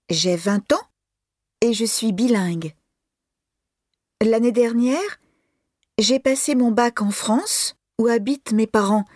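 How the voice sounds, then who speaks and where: A woman in her twenties voicing a young student who hopes to be a journalist, reading a scripted monologue slowly and carefully. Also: fairly high pitch, no room sound, clean studio sound. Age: 20s. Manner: slow, careful, even delivery. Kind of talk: scripted listening-exam monologue.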